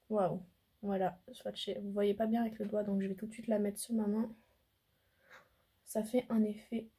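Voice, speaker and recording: A woman's voice: medium pitch, warm tone, husky. Chatty woman vlogging about makeup. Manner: chatty, rambling, many fillers. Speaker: beauty vlogger. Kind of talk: casual makeup swatch vlog. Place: home room by a window. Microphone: camera mic.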